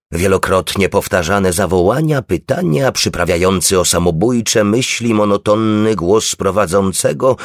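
A man narrating an audiobook in a slow, measured reading voice, with a slightly husky tone. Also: low-pitched, no room sound, studio quality.

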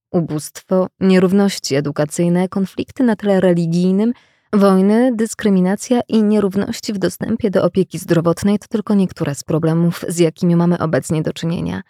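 Woman, scripted self-help narration, measured reflective delivery, low mellow voice, dry close sound. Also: no echo.

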